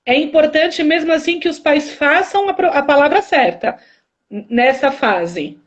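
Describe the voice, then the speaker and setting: A woman's voice: high voice, expressive, measured pace. A woman host with a Brazilian Portuguese accent asking long, rambling questions with many restarts on a video call. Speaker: live stream host. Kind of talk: interview questions.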